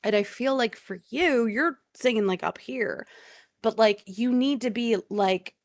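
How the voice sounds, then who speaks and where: Gravelly-voiced woman gushing over vocals. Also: measured pace, no echo. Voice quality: relatively low voice. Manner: animated, profane, effusive. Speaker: podcast co-host. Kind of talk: casual feedback chat.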